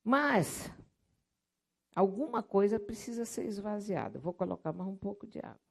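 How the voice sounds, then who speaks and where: Gravelly-voiced Brazilian woman preaching. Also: medium pitch, normal speed. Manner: lively, acts out quoted voices in a story. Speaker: missionary preacher. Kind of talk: sermon with object lesson.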